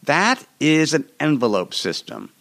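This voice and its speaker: Hoarse man explaining, rambling. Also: a little high, very animated, measured pace, a bit bright. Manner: rambling, repeats and restarts words. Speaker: podcast host. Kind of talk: solo explanatory podcast. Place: hotel room.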